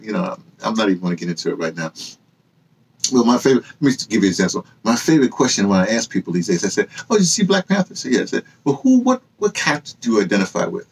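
An older man with an American accent and a husky voice, giving an emphatic, off-the-cuff opinion monologue to camera in a small room. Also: fairly low pitch, low-quality recording. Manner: animated, emphatic, rhetorical questions, gesturing. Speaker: vlogger and activist commentator. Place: small cluttered indoor room with books and hanging fabrics.

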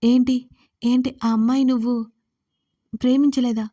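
A woman's voice: sits high, flat delivery, moderate pace, dark tone, lo-fi sound, close to an everyday voice. A woman voicing a distraught, anxious young woman in an audio story, speaking urgently. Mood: shaken. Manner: urgent, pleading.

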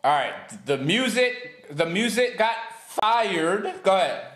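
A young man, a filmmaker, playing a lip-reading game with his wife, talking loudly and laughing as he shouts over music in his headphones. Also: high-pitched, expressive, takes it slowly. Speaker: filmmaker, host's husband. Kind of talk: casual game chat. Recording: roomy echo.

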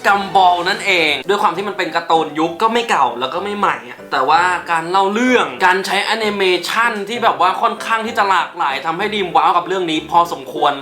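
A man hosting a casual countdown in a chatty way, who giggles often and gets excited and squeaky. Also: fast talker, hardly any pauses, roomy sound. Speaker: YouTube host.

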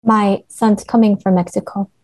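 A woman's voice: medium pitch, little pitch movement, normal speed, a little mellow, close to an everyday voice, low-quality recording. A woman playing a grave, anxious young Latina mother in a screenplay table read. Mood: hesitant. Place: indoor room, video call.

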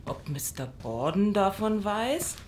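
A woman's voice: medium pitch, sing-song, slow, darkish tone. A woman playing a bossy but caring elderly wife and grandmother in an audio drama. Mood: gently scolding. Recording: clear background ambience noise.

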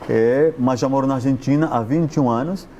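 A man's voice: mid-range voice, a little fast, mellow, lo-fi sound, slight background noise. A man in his forties, a fashion stylist guest, chatting on a TV studio set with a lapel mic, talking with his hands and tagging his sentences with questions. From Brazil. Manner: chatty, gesturing, frequent tag questions. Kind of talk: casual interview chat. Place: TV studio set, seated on sofa.

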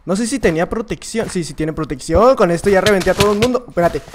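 A man giving excitable live commentary over his own gameplay, swearing and yelping when things go wrong. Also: sits high, fast talker, background noise. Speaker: gaming video creator.

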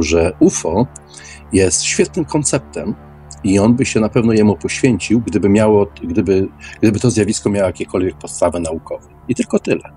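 A man's voice: fairly low pitch, mellow. A man in an informal, opinionated radio discussion, speaking emphatically and often repeating words. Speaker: guest in an online radio debate.

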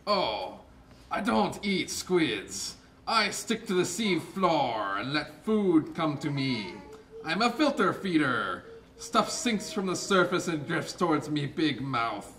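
Man voicing a bright, bouncy barnacle puppet, slow lively delivery, distant mic. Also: fairly high pitch, full character voice. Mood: jolly. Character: boastful deep-sea barnacle, cheery filter feeder. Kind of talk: live puppet show. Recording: distant mic with faint noise.

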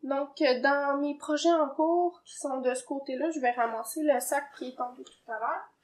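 Québécoise woman host, high-pitched, chatty, filler-heavy, casual knitting vlog. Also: normal speed, a little hiss or hum. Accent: Québécois French. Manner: chatty, many fillers and hedging tags. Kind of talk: casual chat. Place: home, indoors.

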